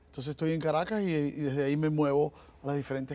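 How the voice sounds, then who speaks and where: Here a man talks at a fairly high pitch. His intonation is fairly even. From Venezuela, Maracaibo (Zulia); Zulia, Venezuela. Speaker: flautist; guest. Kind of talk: TV interview. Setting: studio with audience. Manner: halting. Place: studio. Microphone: lapel.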